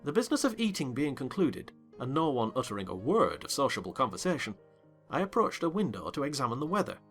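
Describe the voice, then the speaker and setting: Bright, expressive male audiobook narrator. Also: medium pitch, fast talker, faint music behind. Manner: expressive, wry. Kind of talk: dramatized audiobook reading.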